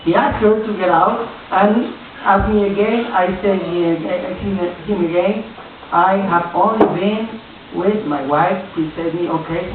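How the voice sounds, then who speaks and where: This stand-up set comes from a native Spanish-speaking Colombian comic in his 40s with a high-pitched voice who keeps halting, hunting for words and starting over. Captured from far off in a small comedy club, the audio is tinny and echoey, with slight background noise and audience laughter.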